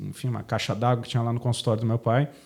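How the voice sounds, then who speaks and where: A man's voice at medium pitch. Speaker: singer. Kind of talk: podcast interview. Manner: halting, with many repetitions.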